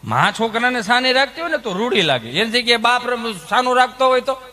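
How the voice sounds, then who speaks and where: High, bright Kathiawadi comedian. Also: male voice, quick pace. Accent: Kathiawadi Gujarati. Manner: animated, mimicking people in his stories. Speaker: stand-up comedian. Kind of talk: stand-up comedy storytelling.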